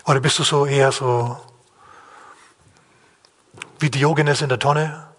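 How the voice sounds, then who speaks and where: A man's voice: mid-range voice, fairly even intonation, a little slow, a bit bright. A man preaching a sermon in a plain-spoken, questioning way, acting out the quotes. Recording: long hall reverb.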